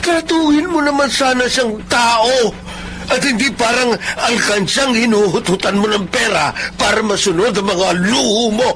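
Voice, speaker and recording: An actor with a Filipino accent playing a gentle, pleading older disabled father in a radio drama. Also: very high-pitched, moderate pace. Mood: hurt, pleading. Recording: noisy radio drama recording.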